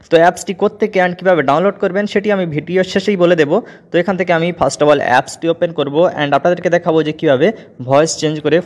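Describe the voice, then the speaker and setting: A man narrates an app tutorial as its host. His voice sits high for a man and he races through each step at an extremely quick pace. English words are sprinkled through his instructions.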